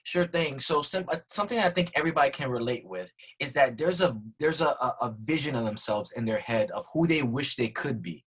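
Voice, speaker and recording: Husky-voiced man as podcast guest. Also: mid-range voice, expressive, fairly quick, hardly any pauses, fairly bright tone. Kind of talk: conversational interview.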